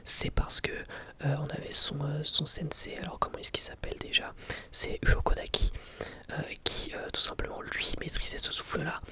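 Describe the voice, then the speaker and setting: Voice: medium pitch, wildly swooping pitch, moderate pace. Whispering ASMR reviewer. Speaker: ASMR YouTuber reviewing anime.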